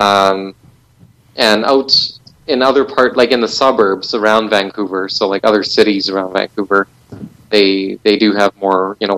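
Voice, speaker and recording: Speaking with a Canadian accent and ordinary pitch variation, this voice sounds dry and close, with no echo. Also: man. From rural Alberta, Canada. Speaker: community currency founder. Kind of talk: casual interview chat.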